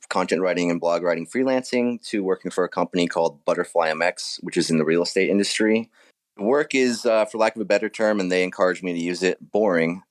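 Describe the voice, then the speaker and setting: A man's voice: low-pitched, no echo. A man speaking informally and modestly as an author being interviewed in a casual chat.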